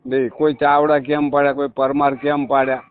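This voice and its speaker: A man calls in and presses his point again and again, insistent and emphatic. His voice sits at an ordinary middle pitch. It comes through a thin, tinny phone line. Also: flat delivery, brisk, slight background noise. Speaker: caller. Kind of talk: phone call. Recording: tinny phone call recording.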